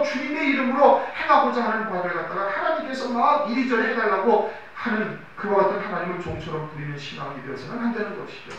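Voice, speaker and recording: A man's voice: very high voice, bright, forceful tone, lo-fi sound, slight background noise. A male pastor preaching a sermon. He reads scripture verses aloud, explains them earnestly, and rises now and then to emphatic outbursts. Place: church sanctuary. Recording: very echoey church hall, mic far off.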